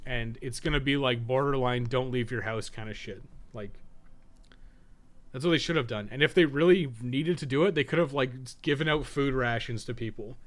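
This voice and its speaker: A man with a mid-pitched voice talks off the cuff on a gaming livestream. He is blunt and opinionated, speaking in a loose, conversational way as he reasons things out aloud. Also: normal speed. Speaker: live streamer and podcast co-host. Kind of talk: casual livestream chat and gameplay commentary.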